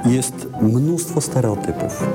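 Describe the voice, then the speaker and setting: A man's voice: mid-range voice, lively intonation. A man from Poland, a musician giving a reflective interview in a hesitant, thoughtful way, often restarting his words. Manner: hesitant, halting, thoughtful delivery with repeated word starts. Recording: long reverb, clear music behind.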